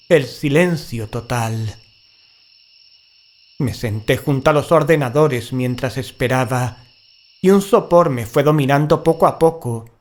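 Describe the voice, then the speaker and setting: An actor playing a frightened, cautious paranormal investigator in a horror audio drama, grave and dramatic. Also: male voice, mid-range voice, darkish tone, close to an everyday voice. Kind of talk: first-person horror audio drama narration and acting.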